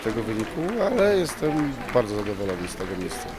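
A man, a contest laureate, talking in a casual, relaxed way. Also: on the low side, quick pace, crowd noise, background noise.

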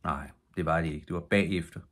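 An exhausted, humble old fisherman in an audiobook, speaking wearily and plainly, as a man reads him. His voice is very low and husky. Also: steady tone, fairly bright tone.

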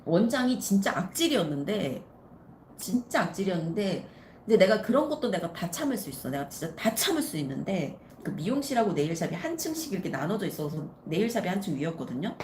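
A woman's voice: lowish voice, brisk, a little hiss or hum. A woman in her thirties tells a story with lots of rise and fall in her voice, switching into the voices of the people she describes. She talks casually on a live stream. The room echoes, and faint background ambience hangs under her voice. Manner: animated, acts out quoted people in the story. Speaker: nail artist and channel host. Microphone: live-stream setup. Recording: roomy echo with faint ambience.

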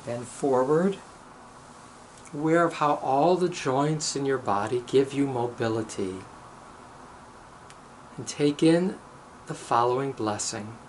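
A man speaking as a rabbi leading a guided meditation, measured and deliberate, pausing between short phrases and reciting blessings. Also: mid-range voice, a little hiss or hum, poor audio.

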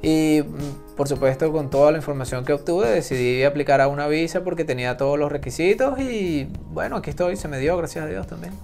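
A gravelly man's voice talks slowly and carefully. He sits as a guest in a small office, with faint music behind him. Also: on the high side, darkish tone. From Venezuela. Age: 30s. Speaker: interview guest.

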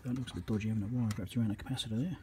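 A man's voice: fairly low pitch, steady tone, very fast, warm tone. A man talking casually and matter-of-factly through electronics repair, thinking aloud in short fragments at a workbench. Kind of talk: casual unscripted workbench commentary. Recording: noisy hand-held workshop recording.

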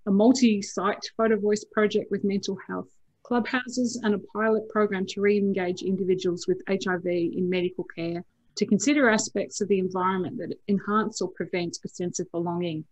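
A woman with a croaky morning voice, chairing a conference session over a video call and reading out the introduction with fillers. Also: medium pitch, fairly even intonation, normal speed, darkish tone, dry recording, low-quality recording.

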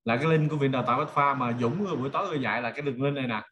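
A man's voice: mid-range voice, rapid-fire, pushed and bright, a little hiss or hum. Conversational Southern Vietnamese man teaching online. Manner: conversational, checks listeners follow with rhetorical questions. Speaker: online marketing trainer. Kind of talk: informal online teaching with everyday examples. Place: indoors on a video call.

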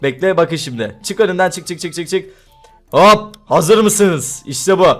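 A young man hosting a gaming video, giving excited commentary with frequent laughter while calling out to his friends. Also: sits high, moderate pace, faint music behind.

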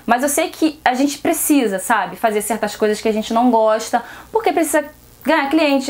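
High-voiced Brazilian woman giving frank advice. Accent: Brazilian Portuguese. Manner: frank, direct, asks rhetorical questions. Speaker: seamstress vlogger. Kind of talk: casual advice vlog.

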